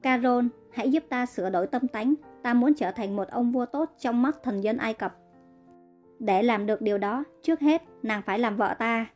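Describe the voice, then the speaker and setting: A woman reading the part of a proud young male king speaking gently and earnestly in a narrated story. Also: fairly high pitch, moderate pace, faint music behind, natural voice. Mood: tender.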